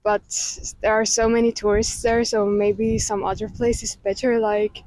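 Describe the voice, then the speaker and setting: A woman's voice: a little high, flat delivery, moderate pace, darkish tone, no echo, low-quality recording. A woman from Switzerland, a student, answering interview questions in a friendly way. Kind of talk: casual street interview.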